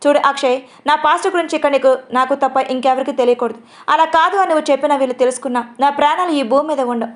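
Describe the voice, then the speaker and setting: A woman narrator plays a young woman who is frightened and confused yet stubborn. She pleads and defends herself in a high, quick voice. It sounds like an audio drama reading. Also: close to an everyday voice. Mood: defiant.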